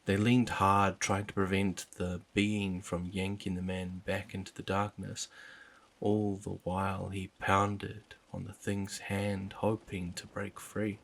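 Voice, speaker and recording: Deep slow male horror narrator. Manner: low, even, unhurried storytelling. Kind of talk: scripted first-person horror narration.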